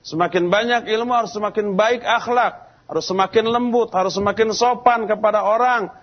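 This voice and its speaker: A male preacher with a high voice gives a relaxed sermon in a large mosque. He talks casually and tells little stories, slipping into the voices of the people he quotes. The recording sounds dull and lo-fi. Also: fairly quick. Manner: colloquial, storytelling teacher who acts out quoted people. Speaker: Islamic preacher. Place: large mosque lecture hall.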